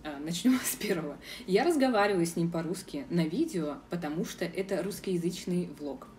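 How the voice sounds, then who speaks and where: A young woman from Russia speaks frankly in a casual vlog, pausing often on filler sounds. Her voice sits a little low and sounds soft and mellow. She is recorded outdoors from some distance, with faint street noise behind her. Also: animated. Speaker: vlogger. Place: outdoors in a city square.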